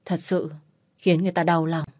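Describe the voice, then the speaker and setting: A woman voicing an older, kindly household servant who speaks gently and consolingly in an audiobook. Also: on the low side, flat delivery, normal speed, dry recording, clean studio sound, close to an everyday voice.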